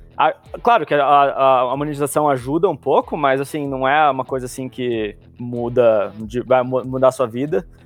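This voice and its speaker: A man speaks at a moderate pace with fairly even intonation and a medium pitch. Music plays in the background. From Brazil, interior of São Paulo state (Piracicaba). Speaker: professional triathlete. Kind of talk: casual interview chat. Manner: halting, many fillers.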